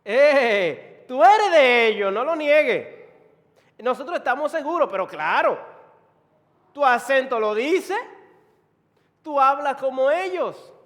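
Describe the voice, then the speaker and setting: A Dominican preacher voicing bystanders who loudly insist they recognize someone, in a reverberant hall. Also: male voice, sing-song, slow, long pauses, exaggerated voice. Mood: accusing. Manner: loud, high and insistent. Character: accusing bystanders, insistent men.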